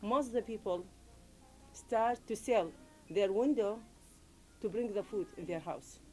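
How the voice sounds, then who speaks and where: A woman from Iraq with an Iraqi Arabic accent, giving interview testimony in short, halting sentences. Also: medium pitch, dark tone, soft background music. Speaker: refugee interviewee.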